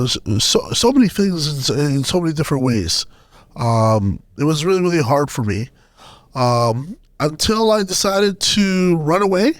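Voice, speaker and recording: Podcast guest, male, from Sudan. Fairly high pitch, hesitant personal storytelling, close dry sound. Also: dry recording.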